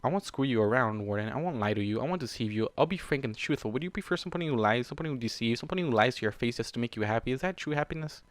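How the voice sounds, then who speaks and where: A man's voice: medium pitch, animated, rapid-fire, hardly any pauses, dry recording, lightly acted. A manipulative female changeling from a fantasy story, voiced by a man. She is selfish and sneering, coaxing her listener in a purring, persuasive way. The sound is close and dry. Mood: coaxing, insistent.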